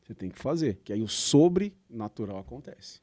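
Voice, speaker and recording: A man's voice: medium pitch, very animated, normal speed, darkish tone, no echo. A man on a church podcast giving encouraging, preacherly advice in a casual tone. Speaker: podcast guest.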